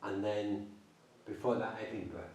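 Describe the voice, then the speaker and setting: A man's voice: on the low side, steady tone, moderate pace, darkish tone, a little hiss or hum. An older man with a Liverpool accent mixed with South Manchester, chatting casually and rambling with plenty of ums. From England, born in Liverpool, grew up in Cheshire. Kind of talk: casual chat. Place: large old house, indoors. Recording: very echoey room, far from mic.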